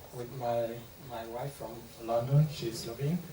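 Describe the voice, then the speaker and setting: Fairly slow and monotone, a man speaks with flat intonation. Audible room echo and noticeable background noise fill the recording. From Jamaica. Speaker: audience member, migrant. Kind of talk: public comment at conference. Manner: halting, many fillers.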